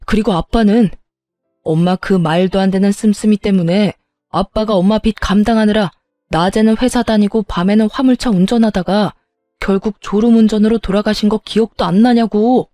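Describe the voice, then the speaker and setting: A woman's voice: mid-range voice, no room sound, clean studio sound, lightly acted. A woman voicing a furious grown son who reproaches his mother and coldly breaks ties with her, in a scripted story. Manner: shouting reproach, then cold resolve.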